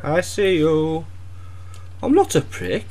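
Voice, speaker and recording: Slow and on the high side, a young man from Wales, who makes gaming videos, teases an opponent over in-game voice chat. He stays deadpan and sarcastic, feigning innocence the whole time.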